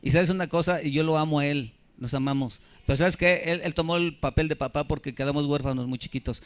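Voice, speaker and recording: A pastor in his fifties preaches in a slightly high voice for a man. He speaks with emphasis and keeps turning to the congregation with questions. His delivery is a sermon, direct and insistent. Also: quick pace. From Mexico. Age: 50s.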